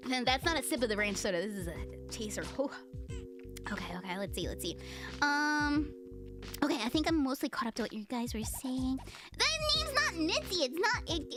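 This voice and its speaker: A young woman VTuber chatting casually on a livestream, giggling and rambling with many fillers as she reads comments. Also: high-pitched. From United States. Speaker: VTuber streamer. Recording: music playing behind voice.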